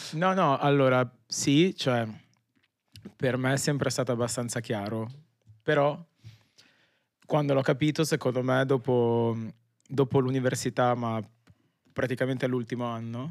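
At a fairly slow pace, a man talks with long, frequent pauses, medium pitch and fairly even intonation. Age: 20s. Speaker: digital artist. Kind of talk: casual chat.

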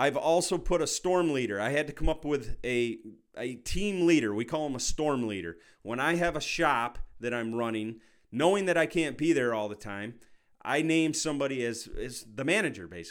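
A man speaks in a normal speaking voice with a fairly high pitch and lively intonation. His pace is moderate, and the recording is very clean with a silent background. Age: 40s. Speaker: podcast host and hail repair shop owner. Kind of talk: casual solo podcast monologue. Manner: casual, with many fillers.

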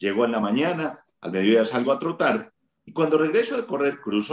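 A man talks at a fairly quick pace. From Colombia, Manizales. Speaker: author and customer service speaker. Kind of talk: interview storytelling.

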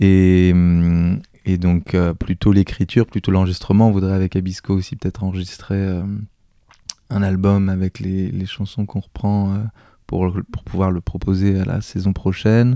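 In a very clean recording with a silent background and a dry, close sound with no echo, a man speaks at a moderate pace in a very deep, low pitch, his dark, mellow tone monotone and flat, with long, frequent pauses. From France, Cotentin (Normandy). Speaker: musician and actor. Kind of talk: casual interview. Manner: halting.

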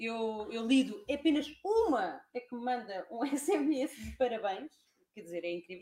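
A woman with a European Portuguese accent speaks at a fairly high pitch with lively intonation. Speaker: podcast host. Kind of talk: live-streamed business podcast chat. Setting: live stream.

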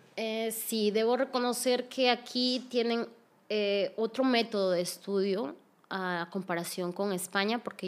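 At a fairly slow pace, a woman speaks in an unremarkable speaking voice with ordinary pitch variation. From Spain, Castellón de la Plana (born in Trujillo, Peru). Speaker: guest, migrant in Germany. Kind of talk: casual interview.

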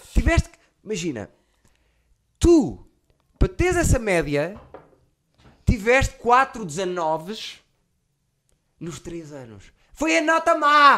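The voice is raised and projected, with very wide pitch swings and big swings in loudness. It moves at a very slow pace, broken by long, frequent pauses. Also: man, high pitch for a man. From Guarda, Portugal. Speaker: podcast host and comedian. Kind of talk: casual comedy chat.

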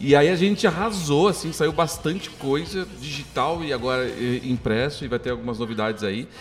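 Over noticeable background noise, a man with a fairly high pitch talks at a moderate pace using lively intonation. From São Paulo city, Brazil. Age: 40s. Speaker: cartoonist and comic writer. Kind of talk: casual chat.

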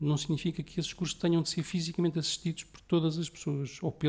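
A man speaks with a fairly high pitch. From Lisbon, Portugal. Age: 50s. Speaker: law graduate and public commentator. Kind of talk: interview conversation. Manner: hesitant, many fillers and repetitions.

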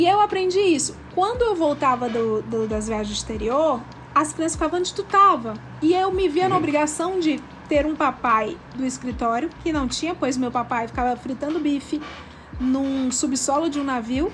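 Over noticeable background noise, a woman speaks at a moderate pace in a high voice with lively intonation. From Ceará, Brazil. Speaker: podcaster. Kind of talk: casual chat.

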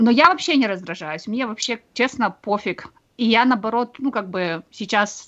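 Delivered at a moderate pace against a quiet background, an ordinary speaking voice carries lively intonation. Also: woman. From East Kazakhstan, Ust-Kamenogorsk area. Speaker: event organizer. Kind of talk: casual chat.

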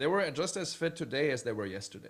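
A man with a German accent is heard in a very clean recording with a silent background. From Germany. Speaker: mindset coach. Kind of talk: interview conversation with guided-awareness explanation.

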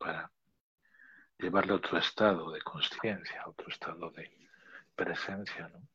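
A man is speaking. His pace is moderate. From Galicia, Spain. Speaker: podcast host. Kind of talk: reflective monologue. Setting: late night recording. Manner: halting.

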